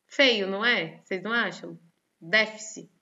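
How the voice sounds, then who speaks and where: A woman's voice: mid-range voice, moderate pace, lo-fi sound. A woman teacher with a Brazilian Portuguese accent, explaining a lesson in an online class and often checking in with her students. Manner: lively, questions the students often.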